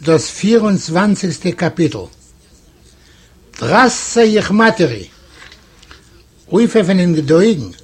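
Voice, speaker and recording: A man from Eastern Europe reading a classic story aloud in measured storytelling. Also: high-pitched, sing-song, slightly rough. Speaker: audiobook narrator. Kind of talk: scripted literary narration.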